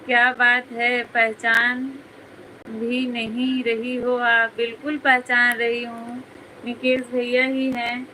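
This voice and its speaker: A woman's voice: a little high, little pitch movement, takes it slowly, bright, forceful tone, slight background noise, low-quality recording. A woman hosting a casual live stream, chatting with viewers, reading their comments aloud and teasing them by name, often breaking into giggles.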